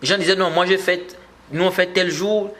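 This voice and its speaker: A man's voice: sits high, fairly even intonation, normal speed, fairly bright tone. A man giving a religious lesson, explaining patiently, repeating words and rising when he stresses a point. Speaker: Islamic teacher.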